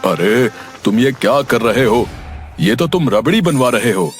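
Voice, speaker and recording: A man's voice: mid-range voice, animated, a little slow, natural voice. A man doing an irate sweet-shop owner. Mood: angry. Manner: scolding and exasperated. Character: short-tempered male sweet-shop owner. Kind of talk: cartoon dubbing. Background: background music.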